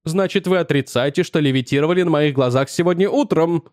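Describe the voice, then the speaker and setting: Guy reading as a shrill worked-up old professor, high and pushy, dry close sound. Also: fast, a little mellow, dry recording, close to an everyday voice. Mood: insistent. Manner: accusing, insistent, increasingly frantic. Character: agitated, shrill older male physics professor.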